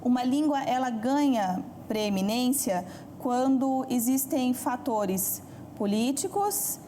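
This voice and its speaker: Calm explaining Brazilian woman from Minas. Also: on the high side, a little hiss or hum. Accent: mixed Brazilian Portuguese, mineiro base. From Minas Gerais, Brazil. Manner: measured, explanatory, deliberate pauses. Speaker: language expert guest. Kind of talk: studio talk show discussion.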